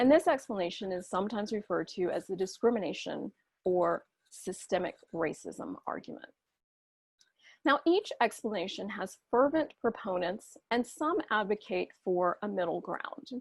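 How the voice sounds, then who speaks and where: With an American accent and an ordinary speaking voice, a woman talks at a moderate pace and medium pitch, her intonation lively. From United States. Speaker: lecturer. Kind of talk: lecture. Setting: video call. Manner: formal.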